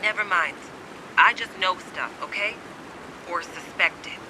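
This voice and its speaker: Wary, higher-pitched survivor, rumbling noise. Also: male voice, measured pace. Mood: agitated. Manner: terse, guarded, cynical. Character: wary, secretive survivor on edge, blunt and urgent. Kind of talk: dramatic video game acting.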